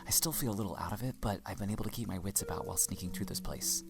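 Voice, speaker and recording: A wry, bold devil creature with an extremely low voice, acted by a woman. The delivery is urgent and dry, in audio drama style. Music is clearly audible underneath. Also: very fast. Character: wry, bold goat-headed devil cryptid. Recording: music behind the voice.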